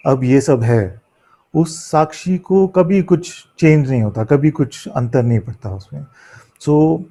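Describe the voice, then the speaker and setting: A man giving a spiritual discourse as a teacher, halting as he searches for words in imperfect, non-native Hindi mixed with English words. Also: medium pitch, dark tone. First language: not a native Hindi speaker, apologises for imperfect Hindi. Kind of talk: spiritual discourse in question-and-answer setting.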